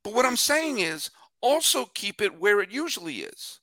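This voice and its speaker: A man hosting a baseball podcast in casual chat, animated and repeating himself as he thinks. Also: high-pitched, moderate pace, no room sound, studio quality. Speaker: podcast host.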